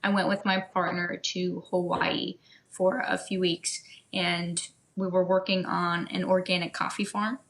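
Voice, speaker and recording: A woman guest on a podcast, talking in a relaxed, thoughtful way with frequent fillers. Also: on the low side, measured pace, vocal fry. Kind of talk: casual conversation.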